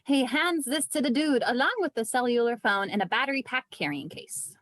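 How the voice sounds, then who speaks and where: A woman reading screenplay stage directions as scripted narration, with vivid, deliberate storytelling. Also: a little high, lively intonation, a bit bright, no echo.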